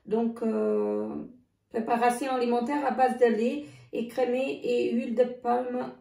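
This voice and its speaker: A woman, losing her voice, chatting casually through a grocery haul with many halting fillers and restarts. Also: on the high side, little pitch movement, vocal fry, warm tone, recorded from a distance. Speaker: vlogger. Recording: echoey room, voice off-mic.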